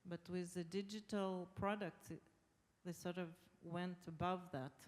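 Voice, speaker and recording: A woman's voice: fairly low pitch, steady tone, measured pace. Middle-aged Israeli woman in an echoing hall. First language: Hebrew. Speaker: panelist, government official. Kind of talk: explanatory panel talk. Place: large conference hall. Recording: long hall reverb.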